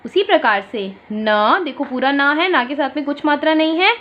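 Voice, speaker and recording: A woman teaching an online lesson to small children. She stretches out syllables slowly and asks questions, then answers them herself. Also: high-pitched. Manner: slow drawn-out syllables, asks and answers her own questions. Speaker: primary school teacher. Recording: dull lo-fi sound.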